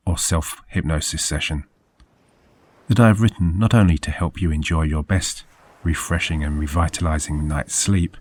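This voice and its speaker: A man with a slightly mellow bass voice narrates a scripted guided sleep meditation as a hypnosis guide. His delivery is soothing and measured, with deliberate phrasing.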